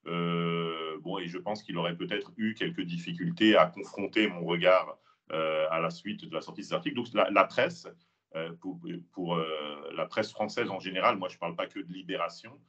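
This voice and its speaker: A man from the Paris region answering interview questions in a measured way, pausing often with filler sounds. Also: deep voice, fairly bright tone. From France, Île-de-France. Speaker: guest, police officer and author. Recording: dull lo-fi sound.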